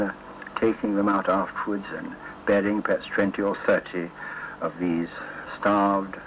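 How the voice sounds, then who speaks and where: Deep-voiced guy on a dull old tape recording, faint hiss behind, halting, keeps repeating words. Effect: old archive recording from the 1970s. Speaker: former army chaplain. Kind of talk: recalled testimony in an interview.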